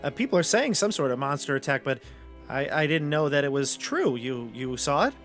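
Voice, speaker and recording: A man's voice: on the high side, very animated, a little fast, fairly bright tone, soft background music. A man voicing a nervous, innocent shopkeeper who stammers and pleads evasively in a tabletop game. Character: nervous, frightened, innocent male rug shopkeeper.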